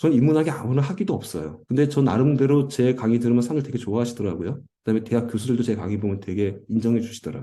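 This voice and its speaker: A dark, mellow tone with vocal fry at a very fast pace. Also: man. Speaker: lecturer. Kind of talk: lecture.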